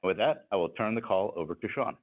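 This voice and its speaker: A man's voice: fairly low pitch, lively intonation, fast. A man reading a scripted corporate conference call statement as a company executive, stiff and formal. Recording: muffled speakerphone-like conference line.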